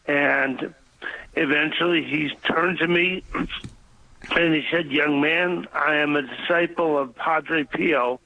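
Guy calling into a radio show after a stroke, slow halting speech, dry muffled line. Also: fairly high pitch, steady tone, creaky, no room sound. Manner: slow, halting speech with many pauses and fillers. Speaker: caller.

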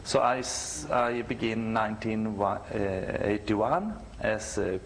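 A middle-aged church musician from Sweden answers interview questions in halting, non-native English with a Swedish accent, frequently searching for words. His voice is on the low side with fairly even intonation, and there's a little hiss or hum.

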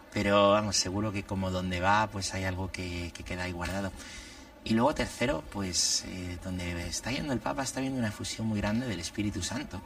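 Priest with a low voice, a bit distant. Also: male voice, fairly bright tone. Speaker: priest guest. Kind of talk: conversational religious commentary.

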